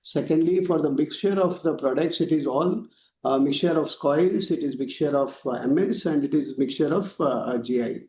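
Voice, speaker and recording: A man with an Indian accent giving formal, halting explanations as a company executive on a business call. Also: on the high side, dark tone, a little hiss or hum. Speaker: company executive answering questions. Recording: echoey room on conference call.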